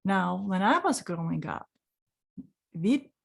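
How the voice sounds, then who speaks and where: A woman in her forties with a Czech accent, telling a personal story in a gentle, unhurried way and speaking directly to the listener. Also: medium pitch, sing-song, vocal fry. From Czech Republic. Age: 40s. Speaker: spiritual channeler.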